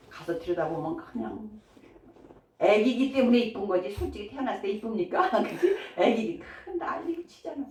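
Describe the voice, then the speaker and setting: A woman's voice: mid-range voice, darkish tone. A woman pastor giving a sermon in a chatty way, often asking the congregation questions. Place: church sanctuary. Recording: echoey church hall from far off.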